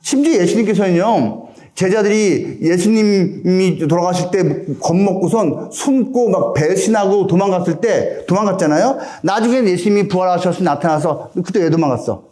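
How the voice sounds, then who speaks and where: A man's voice: high-pitched, moderate pace, hardly any pauses. A man preaching a sermon as a pastor, talking to the congregation and acting out the voices in the story. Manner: animated, acts out quoted voices.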